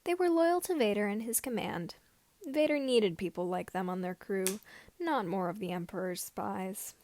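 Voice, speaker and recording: A woman narrating fan fiction like an audiobook, with slightly halting phrasing. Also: mid-range voice, a little mellow. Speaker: podfic reader.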